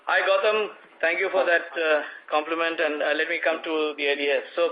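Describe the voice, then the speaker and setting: A man with an Indian accent, a company executive explaining figures point by point in a measured way on a conference call. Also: on the high side, steady tone, a little hiss or hum. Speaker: company executive answering analysts. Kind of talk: earnings conference call answers. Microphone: conference call line. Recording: dull, band-limited conference call audio.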